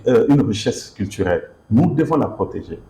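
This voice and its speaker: A man's voice: fairly low pitch, normal speed, echoey room. A man from Kinshasa answering interview questions as an author, speaking emphatically with many fillers and restarts. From DR Congo, Kinshasa. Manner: expressive, emphatic, repeats himself with fillers.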